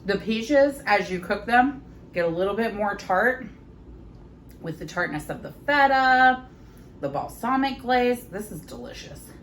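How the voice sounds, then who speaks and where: A woman in her thirties chatting casually in her home kitchen as she tastes her food, often pausing to savor it with soft hums. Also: medium pitch, lively intonation, a little hiss or hum, poor audio. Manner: chatty, savoring bites with frequent mm sounds. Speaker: home cooking vlogger. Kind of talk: casual chat while tasting food.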